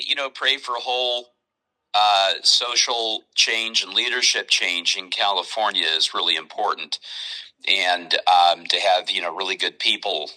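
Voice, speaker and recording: A man's voice: on the low side, bright, forceful tone, low-quality recording. A man talking as a guest in a casual phone conversation, explaining things in a loose, discursive way.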